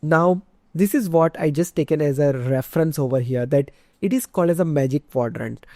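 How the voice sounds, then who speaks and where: Indian man explaining software, dry sound. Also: a little high, fairly quick, dry recording. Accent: Indian English. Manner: conversational, many fillers like "you know" and "uh". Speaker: instructor. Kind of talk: screen-share tutorial lecture.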